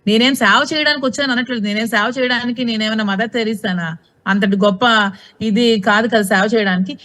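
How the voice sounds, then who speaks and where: A woman's voice: on the high side, fairly even intonation, brisk, fairly bright tone. A woman answering questions in a TV interview, outspoken and insistent, often repeating her points.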